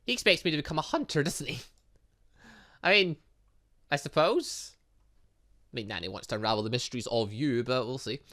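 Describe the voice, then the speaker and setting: Gamer guy reading story dialogue out loud, jokey, trips over words, very up and down. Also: medium pitch, animated, fairly quick, long pauses. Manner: jokey asides, often stumbles while reading. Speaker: gaming video host. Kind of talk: let's-play commentary, reading visual novel dialogue aloud.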